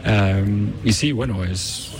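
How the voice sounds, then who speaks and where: Man, from Chile, low voice, hesitant, many fillers, product designer, crowd noise behind. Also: slow. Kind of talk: interview answers.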